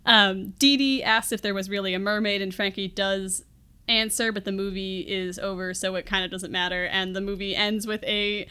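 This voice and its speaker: A woman's voice: mid-range voice, fairly even intonation, moderate pace, bright, forceful tone, smooth. A woman hosting a podcast, talking casually about a movie in a chatty, jokey way with frequent laughter. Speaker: podcast host.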